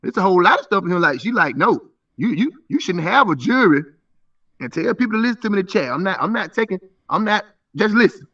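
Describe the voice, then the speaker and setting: A man's voice: high-pitched, sing-song, fast, a bit bright. A man in his thirties arguing insistently in a live stream debate, stumbling through repeated restarts. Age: 30s. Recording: muffled voice from a distance.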